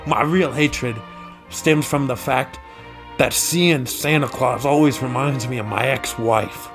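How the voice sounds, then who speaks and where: A man playing a bitter, sardonic landlord in a comedy radio skit, speaking with dry, deliberate sarcasm. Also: mid-range voice, creaky. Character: bitter, sardonic male landlord who hates Christmas. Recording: music playing behind the voice.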